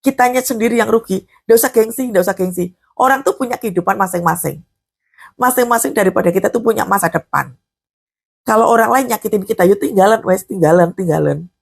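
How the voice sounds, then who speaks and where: A woman's voice: mid-range voice, fast, gravelly, breathy edge. A woman preacher and counselor with a Javanese-inflected accent, giving a morning devotional sermon in a conversational way, asking questions and answering them herself. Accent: Javanese-inflected Indonesian.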